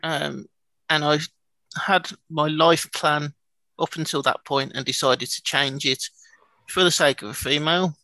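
A man's voice: fairly high pitch, steady tone, a little slow, bright, forceful tone, no room sound, low-quality recording. A man co-hosting a podcast in casual chat, probing with questions and repeating words as he restarts. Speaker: podcast co-host.

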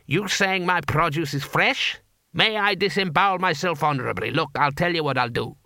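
A man's voice: on the high side, moderate pace, bright, forceful tone, no room sound, pitched above the performer's own voice. A man voicing a cheerful, pushy street vendor with glib haggling patter, in an audiobook story.

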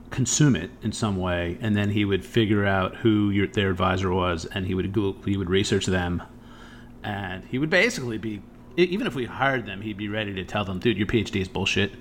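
Male podcast co-host, lowish voice, loose storytelling, peppered with "right?" and "you know". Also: a little hiss or hum. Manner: rambling storyteller, swears, frequent "right?" asides. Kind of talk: casual podcast chat.

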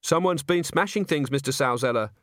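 A man's voice: mid-range voice, brisk, fairly bright tone, no room sound, studio quality, natural voice. A man voicing a mournful young male organist in a comic story.

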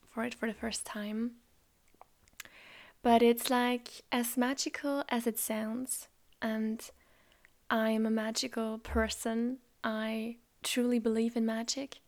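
A woman whose first language is German hosts a spiritual podcast, talking in a soft, slow, reflective way that often drops close to a whisper. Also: a little high, gravelly. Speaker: podcast host. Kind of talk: calm spiritual podcast monologue.

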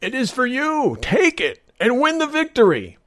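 A man's voice: on the high side, sing-song, moderate pace, breathy edge, no room sound, clean studio sound, voice pushed up, exaggerated voice. A man voicing a little old man, really a giant in disguise, who coaxes a knight with grand promises. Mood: urgent.

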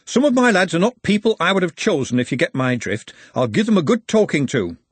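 A man's voice: high-pitched, very animated, a little fast, breathy edge, no room sound, pitched above the performer's own voice, full character voice. A man voicing a deferential, apologetic male team captain in an audiobook, hesitant before authority.

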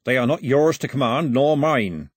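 Man voicing a blunt, wary old-school sea captain, raised pitch. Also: lively intonation, normal speed, breathy edge, dry recording, clean studio sound. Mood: grave, practical. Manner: blunt, folksy, nautical talk. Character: wary, plain-spoken sea captain, dryly deferential.

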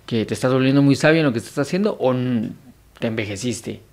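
A man's voice: mid-range voice, fast talker, creaky. Man, 30s, podcast co-host, thoughtful, philosophical, easygoing chat. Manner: musing, philosophical, slips into acted quotes. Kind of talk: casual reflective chat.

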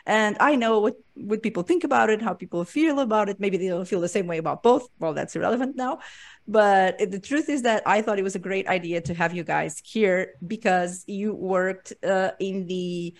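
A woman hosts a relaxed podcast interview over a video call. She talks in a chatty, loose way, laughs often and trips over repeated words as she goes. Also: mid-range voice, moderate pace. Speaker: podcast host. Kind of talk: casual interview chat.

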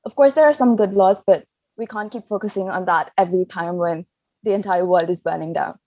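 A woman's voice: medium pitch, a little fast, darkish tone, no echo. A young woman studying law, talking in casual chat, blunt and passionate and cursing freely. English is not her mother tongue. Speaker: law student.

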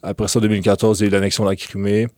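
Deep, flat-voiced young man, hesitant. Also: rapid-fire, dry recording, clean studio sound. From Ukraine. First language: Russian. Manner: hesitant, many fillers and restarts. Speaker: guest. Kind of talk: relaxed interview talk.

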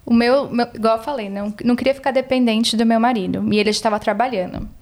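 A woman's voice: on the high side, steady tone, quick pace, darkish tone. A Brazilian woman with a Brazilian Portuguese accent, chatting as a podcast guest and acting out the dialogue she quotes. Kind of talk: casual interview chat.

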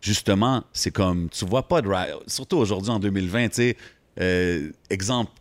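A man hosting a casual interview, relaxed and slangy, sprinkling in English words. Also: low voice, moderate pace. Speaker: podcast host.

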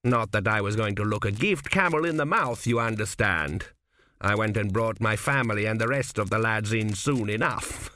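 A man voicing a cynical, crude old ancestor ghost, a former swindler, with a slow, gruff drawl in an audiobook. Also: on the low side, pushed and bright. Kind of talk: audiobook character voice.

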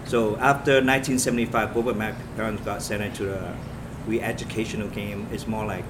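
A man from Vietnam, a police officer telling his story in an interview in earnest, halting short phrases. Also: lowish voice. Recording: noisy room with steady background hum.

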